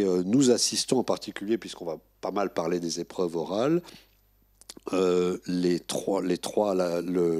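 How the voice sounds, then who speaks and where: An older man with a very low, deep voice addresses exam candidates as jury president. His delivery is formal but halting, full of fillers and restarts. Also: darkish tone. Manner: hesitant, many fillers and restarts. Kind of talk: formal public presentation. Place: conference room.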